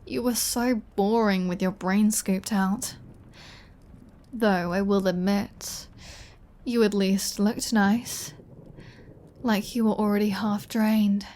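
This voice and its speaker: A woman's voice: mid-range voice, fairly even intonation, takes it slowly, long pauses, a little mellow, natural voice. A woman voicing a flirty, possessive female vampire in an intimate ASMR roleplay, with a teasing, playfully threatening manner.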